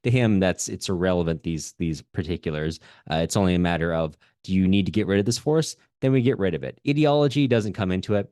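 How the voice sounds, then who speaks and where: A man hosting a podcast, talking through a book in a conversational, halting way as he thinks aloud. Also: sits low, a little mellow, dry recording, clean studio sound. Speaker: podcast host. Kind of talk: conversational literary discussion.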